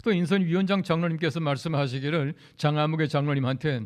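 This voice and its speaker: A man's voice: fairly high pitch, steady tone, fast talker. A man preaching a conversational sermon as a pastor, telling anecdotes and speaking directly to the congregation. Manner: recounts anecdotes with acted quotes. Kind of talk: storytelling sermon.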